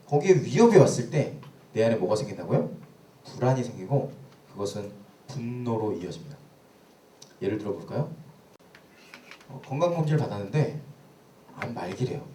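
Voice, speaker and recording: Male pastor, mellow and animated, rhetorical-question sermon style, distant roomy church recording. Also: medium pitch, normal speed, long pauses, a little hiss or hum. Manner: conversational preaching with rhetorical questions. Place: church sanctuary.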